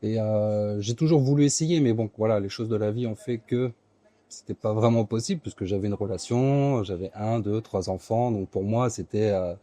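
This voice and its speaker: Low, mellow-voiced French man in his forties. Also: normal speed, dry recording. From France. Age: 40s. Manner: hesitant, many fillers and restarts. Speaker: interview guest. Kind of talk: casual interview talk.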